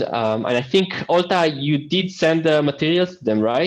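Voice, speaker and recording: A man with a non-native accent speaks at a moderate pace in a fairly high pitch, with ordinary pitch variation. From Israel. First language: Hebrew. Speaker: project coordinator. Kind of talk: video call meeting presentation. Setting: video call. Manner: halting.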